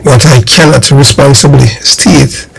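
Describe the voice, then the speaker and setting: A man with a Jamaican accent delivering political commentary straight to his audience, emphatic and deliberate in his phrasing. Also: mid-range voice, vocal fry, breathy edge, soft background music, low-quality recording. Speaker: online channel host and commentator.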